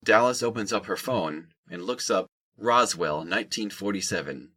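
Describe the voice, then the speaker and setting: A man reads scripted narration for an audio drama, describing the action in a low, bright voice with clear forward projection. He sounds animated and keeps a moderate pace.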